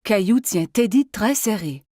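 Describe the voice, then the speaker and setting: A woman's voice: mid-range voice, expressive, measured pace, background noise. A woman narrating a scripted story for children.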